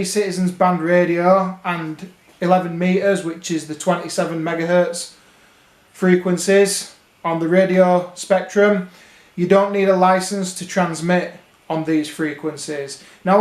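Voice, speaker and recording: A British man talking casually to viewers, explaining things as a radio hobby vlogger. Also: high voice. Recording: roomy, echoing indoor sound.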